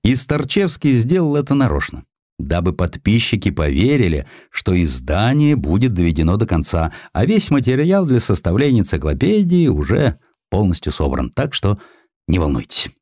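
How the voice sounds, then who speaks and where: Guy reading a history story like theatre, lowish voice, super animated, dry sound. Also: moderate pace, no room sound. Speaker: audiobook narrator. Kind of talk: dramatized scripted narration of a historical tale.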